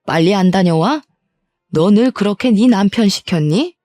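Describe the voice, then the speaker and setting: A woman's voice: mid-range voice, animated, moderate pace, dark tone, no echo, lightly acted. A woman voicing a nagging, scornful older mother-in-law who scolds sharply and talks down to her daughter-in-law. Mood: scolding. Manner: scolding, contemptuous.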